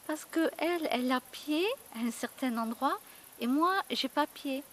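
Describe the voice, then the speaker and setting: A woman vlogger chats loosely to her camera, circling back and repeating herself as she tells her story. Her voice sits a little on the high side. A faint hiss runs under the recording. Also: a little slow, a bit bright. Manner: chatty, rambling storytelling with many fillers and repeats. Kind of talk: casual chat.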